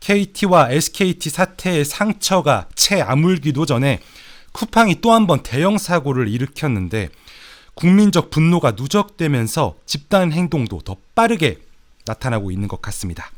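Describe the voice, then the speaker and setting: This man's voice sits fairly high. It rises and falls over a very wide range. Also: fairly slow pace, very clean recording, silent background. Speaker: newspaper reporter hosting a news review show. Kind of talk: news reading and commentary. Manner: conversational with filler sounds.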